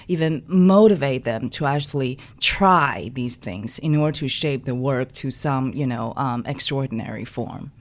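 A woman's voice: very deep voice, normal speed, few pauses. A young woman from Taiwan, guest in an interview, talking casually with many fillers and restarts. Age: young adult. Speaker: guest designer.

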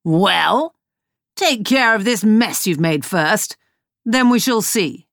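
A woman's voice: mid-range voice, expressive, slow pace, a bit bright, dry recording, pitched above the performer's own voice. Pompous pirate captain, bossy and sneery, woman putting it on in a story read-aloud, dry close sound. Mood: haughty. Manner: haughty and commanding, turns to pleading when scared. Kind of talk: storybook reading.

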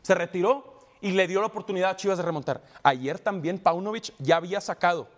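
A man's voice: sits high, a little fast. A man arguing as a sports pundit in a heated panel debate, emphatic and insistent, hammering the same point again and again. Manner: emphatic, insistent, repeats his point over and over.

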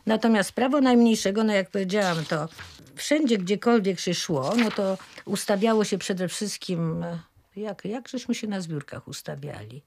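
An older woman reminiscing casually about her scouting youth, halting and often interrupting herself. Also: mid-range voice, animated, a little mellow, a little hiss or hum.

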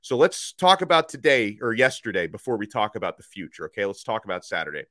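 Slightly hoarse, emphatic male sports host. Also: fairly low pitch, fast talker, no room sound, clean studio sound. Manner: energetic, emphatic, rising to near shouts. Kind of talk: college football talk with ad read. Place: radio studio.

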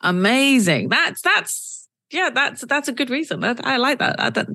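A woman hosting a podcast interview in a relaxed, friendly way, chiming in with quick affirmations. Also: sits high, dry recording, studio quality. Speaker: podcast host.

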